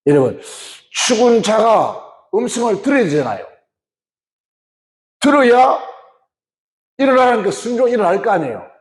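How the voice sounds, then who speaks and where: A man's voice: sits high, very animated, moderate pace, long pauses. A male pastor preaching a sermon, often questioning the congregation. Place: church. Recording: echoey church hall.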